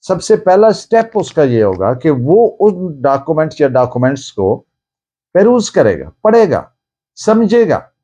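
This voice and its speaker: A man with a Pakistani accent giving a lecture in a deliberate, emphatic, didactic way, mixing in English phrases. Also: medium pitch, warm tone, dull audio. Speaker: law lecturer. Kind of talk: lecture on evidence law, dictating citations.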